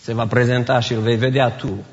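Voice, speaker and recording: A man's voice: medium pitch, level tone. A man preaching a sermon as pastor, emphatic, repeating key phrases and slipping in English phrases. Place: church. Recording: reverberant church hall, dull sound.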